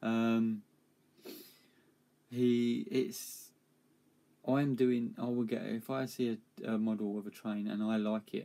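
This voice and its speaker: A man with a southern English accent speaks very slowly at a medium pitch, with long, frequent pauses. His tone is dark and mellow, his intonation fairly even. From England. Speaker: model railway hobbyist. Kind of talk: live stream chat. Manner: halting.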